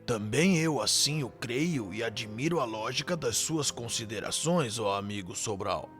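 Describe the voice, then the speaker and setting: A man's voice: mid-range voice, animated, measured pace, fairly bright tone. An actor playing an impatient, pretentious, devout man in an audio drama, with formal, declamatory speech. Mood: courteous, agreeing. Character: impatient, pretentious dead Portuguese man, devout and self-pitying. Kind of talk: scripted audio drama acting. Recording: music behind. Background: music.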